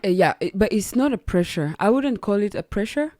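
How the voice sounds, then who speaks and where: A woman's voice: mid-range voice, animated, brisk, dark tone, no echo. A young woman with a Rwandan accent, chatting reflectively as a musician guest in a radio interview, searching for her words at a close studio mic. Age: young adult. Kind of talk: radio interview, casual chat. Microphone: close studio boom mic.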